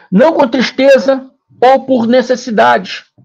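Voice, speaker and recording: A man speaks at a very slow pace. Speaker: lay preacher / bible teacher. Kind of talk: bible study talk to online viewers. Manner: halting, with false starts. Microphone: has a microphone now, voice was quiet before.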